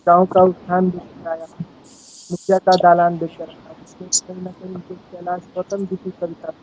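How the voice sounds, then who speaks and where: Flat-voiced man moderating an online event. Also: high voice, moderate pace, slight background noise, poor audio. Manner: polite, formal, thanks and invites speakers. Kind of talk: formal event hosting. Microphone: video call.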